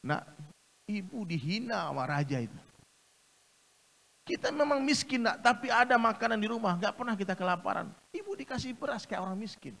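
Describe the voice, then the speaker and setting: A man voicing a poor elderly mother who is fretful and hurt, pleading in a high, tearful way. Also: lively intonation, a little fast, gravelly, a bit bright, heavily acted. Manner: tearful, high scolding pleas. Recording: echoey large hall.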